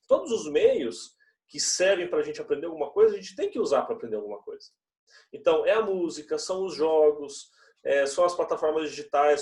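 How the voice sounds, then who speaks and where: A man's voice: on the high side, a little mellow. A young man teaching religious education, talking to his students in a loose, conversational way with frequent tag questions. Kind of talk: classroom talk to students. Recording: echoey room, mic at a distance.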